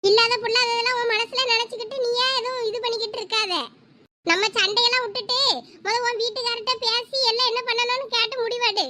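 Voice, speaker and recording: A woman's voice: very high voice, little pitch movement, quick pace, pushed and bright. A woman, arguing in a family comedy skit. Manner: quarrelsome rural Tamil family talk. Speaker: creator-actor voicing several village women and a girl.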